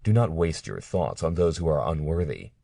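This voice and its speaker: A man voicing a cold, menacing male captor in an audiobook, speaking quietly and mockingly. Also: rumbling low, very animated, normal speed, vocal fry, no room sound, clean studio sound, heavily acted. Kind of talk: audiobook character reading.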